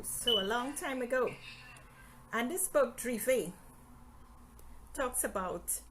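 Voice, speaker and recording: A woman's voice: fairly high pitch, slight background noise, poor audio. A middle-aged woman from Trinidad and Tobago, an author chatting on a live stream about her books and reading her novel's introduction aloud. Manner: friendly, chatty, reads aloud from her book.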